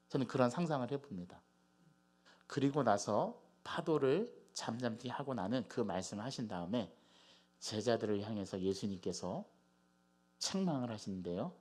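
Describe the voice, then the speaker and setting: Animated male pastor preaching a sermon. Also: mid-range voice. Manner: animated, asks the congregation rhetorical questions. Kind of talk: Sunday sermon. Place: church sanctuary.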